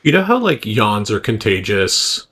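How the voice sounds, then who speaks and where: A man's voice: lowish voice, big pitch swings, a little slow, pushed and bright, husky. A man hosting an interview, casually asking long, rambling questions. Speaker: interviewer, podcast host.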